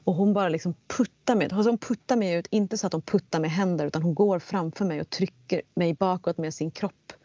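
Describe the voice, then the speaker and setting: A woman telling a personal story in casual conversation, animated, acting out quoted lines. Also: on the low side, few pauses, no echo, highs cut off. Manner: animated, acts out quotes in English.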